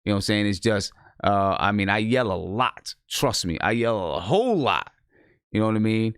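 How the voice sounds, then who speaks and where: A man's voice: lowish voice, lively intonation, moderate pace, smooth, dry recording. Emphatic man host at a close studio mic. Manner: emphatic, repeats himself, laid-back sign-off. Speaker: podcast host and high school basketball coach. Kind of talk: casual postgame chat. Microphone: studio microphone close up.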